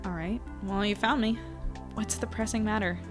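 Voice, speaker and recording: Exasperated small-town reporter played by a woman, mid-pitched. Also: steady tone, moderate pace, music in the background, natural voice. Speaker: podcast drama actress. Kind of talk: naturalistic audio drama acting.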